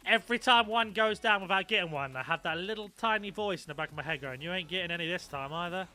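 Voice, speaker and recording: A man's voice: high-pitched, expressive, quick pace, sharp tone, soft background music. A young man chatting casually on a live stream, swearing freely and reacting to his viewers. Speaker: gaming streamer.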